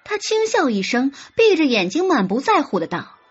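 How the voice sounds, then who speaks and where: High, lively woman narrating a romance. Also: moderate pace, highs cut off. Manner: expressive, acting out the heroine's lines. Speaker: audiobook narrator. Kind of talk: expressive romance novel narration.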